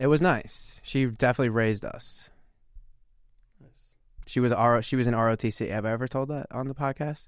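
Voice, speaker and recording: A man at a moderate pace with fairly even intonation, a dry sound with no echo, and a quiet background. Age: 30s. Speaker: comedian and podcast co-host. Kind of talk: casual chat. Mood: relaxed, reminiscing. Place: studio. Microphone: studio mic.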